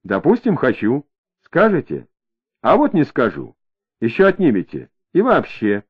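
A capricious young woman, as a male reader puts her on, her lines swinging between a dreamy drawl and sharp, prickly snaps. The voice moves lively up and down in pitch. The sound is thin and tinny, like a phone line. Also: unhurried, breathy edge, heavily acted.

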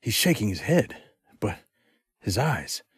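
Man playing a hot-tempered, protective, flirty male spy, deep voice, breathy rasp, audio drama. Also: very animated, slow, heavily acted. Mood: confident, grim. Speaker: voice actor in a fan audio drama. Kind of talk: audio drama acting, intimate.

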